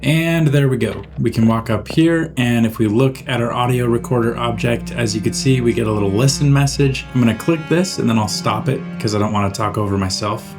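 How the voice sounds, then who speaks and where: A man narrating a software tutorial in an informal, step-by-step way, as the host. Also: mid-range voice, brisk, hardly any pauses, music in the background. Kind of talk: casual screen-recorded software tutorial narration.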